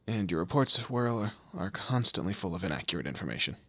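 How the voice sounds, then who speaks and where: Man playing a gravelly, low-voiced, imperious demon lord. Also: big pitch swings, quick pace, bright, forceful tone, dry recording, heavily acted. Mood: stern, threatening. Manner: imperious, theatrical, drawling threats and teasing. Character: male demon lord, commanding, menacing, teasing boss of hell. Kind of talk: scripted audio roleplay addressed to the listener.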